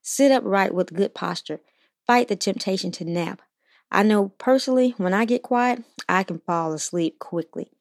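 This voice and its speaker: A woman hosting a Christian motivational podcast, reading scripture and encouraging listeners in an earnest, steady way. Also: medium pitch, moderate pace, vocal fry, dry recording, studio quality. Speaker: podcast host.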